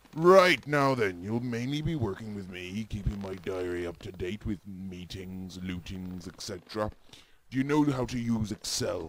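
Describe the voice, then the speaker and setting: A man in a put-on character voice, pitched fairly low. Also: moderate pace. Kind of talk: comic sketch acting. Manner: cheery, polite, businesslike.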